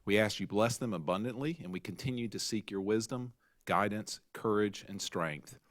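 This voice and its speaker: A man on a school board who leads an opening prayer and makes formal motions in a measured, solemn way. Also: fairly low pitch, no room sound, studio quality. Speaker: board member leading prayer.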